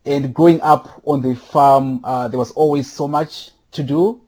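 A man from Zimbabwe, a podcast guest speaking from home, answering thoughtfully with frequent pauses. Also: mid-range voice, steady tone, a little mellow. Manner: thoughtful, with many filler pauses. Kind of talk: casual interview answers. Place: home during quarantine.

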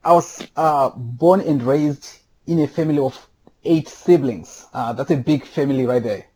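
Podcast guest, male, from Zimbabwe, husky and mellow, thoughtful, many pauses. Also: mid-range voice, poor audio. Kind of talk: casual interview answers. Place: home during quarantine.

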